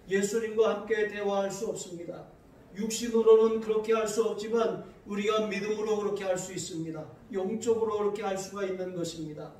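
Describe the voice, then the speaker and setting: A man preaching, recorded from a distance in a big, ringing church sanctuary. His voice sits high. He reads scripture slowly and turns to lively anecdotes. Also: heavy reverb, slight background noise. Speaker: pastor. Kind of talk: sermon.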